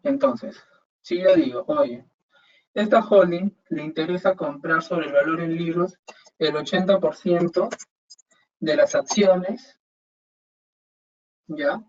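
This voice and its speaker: A man's voice: fairly high pitch, slow, pauses often, a little mellow. Man lecturing on accounting, distant mic. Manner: explanatory, thinking aloud, rhetorical questions. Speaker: accounting instructor. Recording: dull distant mic with faint hiss.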